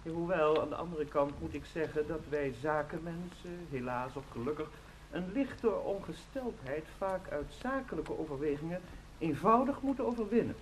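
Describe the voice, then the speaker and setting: Man playing high-voiced, pompous chief clerk. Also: expressive, moderate pace, a little hiss or hum, natural voice. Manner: formal, pompous, scolding. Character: stern, officious male chief clerk, self-important. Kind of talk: radio drama acting. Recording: roomy, echoing sound.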